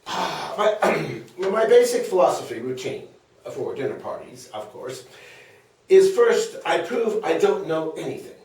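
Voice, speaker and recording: A man's voice: fairly high pitch, a little mellow. A man at a table read playing a wry, self-deprecating old philosopher in a comedy, hesitant and playfully pompous. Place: small meeting room around a table. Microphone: far camera or table recorder. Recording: very echoey meeting room, distant mic.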